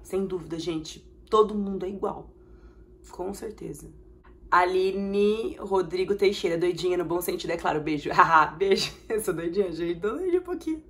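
A young woman vlogger with a Brazilian Portuguese accent chats expressively as she reacts to viewer comments, breaking into sudden excited bursts. Her voice sits lowish, and she speaks at a moderate pace.

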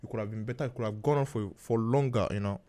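A man with a Nigerian accent hosting a podcast interview, speaking haltingly with many restarts and fillers. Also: fairly low pitch, mellow. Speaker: podcast host.

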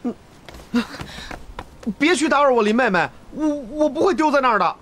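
A man's voice: very high voice, expressive, moderate pace, a bit bright, slight background noise. A young actor playing a spoiled, stubborn young nobleman in a period TV drama. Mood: petulant. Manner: petulant, defiant.

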